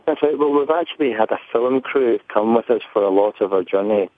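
A man's voice: lowish voice, brisk. A man with a broad Scottish accent, talking earnestly as a guest in a conversational radio interview. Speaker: interview guest, brand representative. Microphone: telephone. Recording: narrow, tinny phone line.

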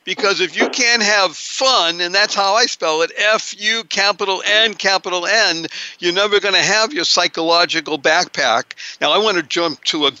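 A man's voice: high-pitched, normal speed, hardly any pauses, sharp tone, clear, resonant tone, highs cut off. A man hosting a radio talk show, playful and enthusiastic with his guest. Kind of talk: radio interview.

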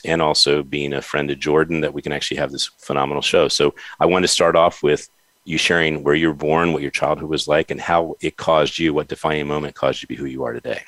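A man's voice: very deep voice, fairly bright tone, no echo. A man hosting an interview show, speaking in an effusive, motivational way. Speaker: podcast host. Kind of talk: casual interview chat.

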